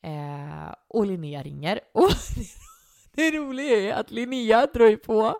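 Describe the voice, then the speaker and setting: A young woman tells a story in relaxed podcast chat. She acts out the quoted voices as she goes. The recording is dry and close, with no room sound. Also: fairly high pitch, creaky, no room sound. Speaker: guest. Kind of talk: casual storytelling.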